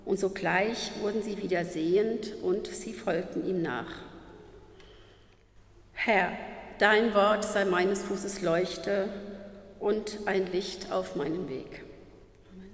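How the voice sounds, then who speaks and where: A woman reading a Bible passage aloud in a slow, solemn liturgical manner. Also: medium pitch, steady tone. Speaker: scripture reader. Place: church hall. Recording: roomy hall with long reverb.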